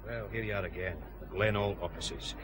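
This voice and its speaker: An actor with a Scottish accent playing a laconic, wry detective sidekick. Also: male voice, lowish voice, normal speed, noisy background, natural voice. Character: dry, grumbling male Scottish detective sidekick. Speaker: detective inspector.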